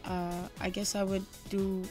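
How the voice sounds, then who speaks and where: A woman's voice: medium pitch, unhurried, music in the background. Young Caribbean woman singer, confident. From Trinidad and Tobago. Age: young adult. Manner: confident, animated, frequent "you know". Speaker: singer interviewed. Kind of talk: interview answers.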